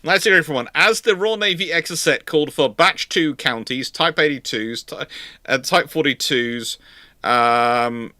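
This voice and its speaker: A man's voice: on the high side, measured pace, pushed and bright, no echo, clean studio sound. A man hosting a casual live question-and-answer stream, stammering and often repeating words as he restarts his phrases. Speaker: livestream host answering viewer questions.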